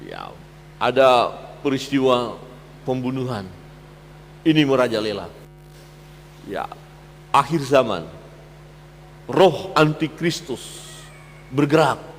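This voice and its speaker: A man preaching a sermon as pastor, swinging between loud emphatic peaks and low quiet asides. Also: lively intonation, slow pace, pauses often, big-room sound, a little hiss or hum. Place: church hall.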